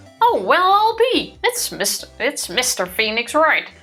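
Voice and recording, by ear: Faint music plays behind a female-sounding voice doing a put-on character at an extremely high pitch, with very wide pitch swings. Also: moderate pace.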